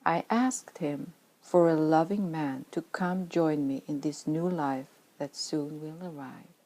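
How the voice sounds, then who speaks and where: Slow, low-voiced Swedish woman reading. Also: mellow. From Sweden. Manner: earnest, reflective, at times dropping to a whisper. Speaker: author reading her own story. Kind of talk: reading a personal spiritual memoir.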